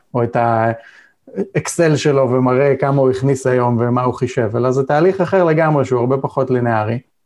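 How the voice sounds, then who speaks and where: In a normal speaking voice, a man at a medium pitch talks at a fairly quick pace, with fairly even intonation and very even loudness. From Israel. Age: 40s. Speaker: real estate researcher and author. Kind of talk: interview conversation.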